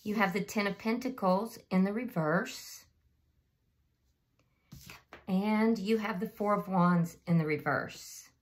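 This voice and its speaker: A slightly hoarse woman giving a casual, unscripted tarot reading and speaking directly to the listener as the channel's host. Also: mid-range voice, slow, long pauses.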